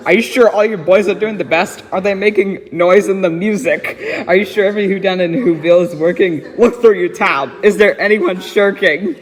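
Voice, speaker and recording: In an echoey, reverberant room, a high-voiced man reads a rhyming children's picture book aloud with lots of drama and frequent giggles. He moves fairly quickly and barely pauses.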